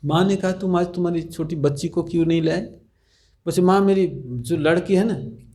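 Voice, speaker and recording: Man giving a gentle storytelling sermon. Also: a little high, normal speed. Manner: gentle storytelling, often asks listeners "ठीक है ना?" with soft laughs. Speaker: monk giving a religious discourse.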